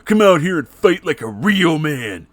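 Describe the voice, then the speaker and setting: A man's voice: on the high side, big pitch swings, measured pace, no room sound, pitched above the performer's own voice. A man voicing a muscular, righteous cartoon cat hero in a comic story, declaiming with earnest bravado. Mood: challenging, righteous.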